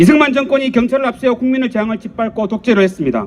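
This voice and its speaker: The man's voice sits at an extremely high pitch, with ordinary pitch variation. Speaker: rally speaker. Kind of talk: prepared speech read at a rally.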